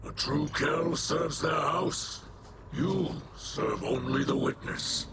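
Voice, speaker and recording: A man voicing a stern, weary older male alien leader in a video game, with solemn, terse, measured delivery. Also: on the high side, creaky, heavy background noise. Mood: stern, wary. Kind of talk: dramatic video game voice acting. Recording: loud music bed. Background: loud cinematic game music.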